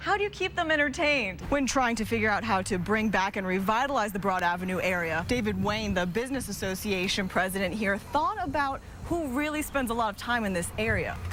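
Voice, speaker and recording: A woman's fairly high voice, quick-ish and lively in intonation, with hardly any pauses, very even loudness and noticeable background noise. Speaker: TV news reporter and anchor. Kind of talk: TV news live shot and interview questions.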